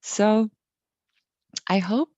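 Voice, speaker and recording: A woman hosting an online meditation session, welcoming people in a gentle, unhurried and reassuring way. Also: mid-range voice, no room sound, lo-fi sound. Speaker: meditation host. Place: online group call.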